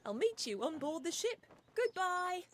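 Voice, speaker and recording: A woman's voice: very high-pitched, big pitch swings, a little slow, heavy background noise, exaggerated voice. A woman voicing a cheerful, polite otter ship captain in a children's game, speaking formally. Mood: cordial. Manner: formal, courteous invitations.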